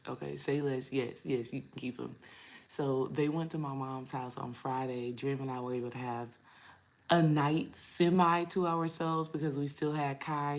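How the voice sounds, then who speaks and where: A woman in her thirties with a raspy, low morning voice, talking casually to her viewers as a spiritual coach. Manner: chatty, addresses viewers as y'all, drawn-out pauses. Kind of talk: casual vlog talk to viewers.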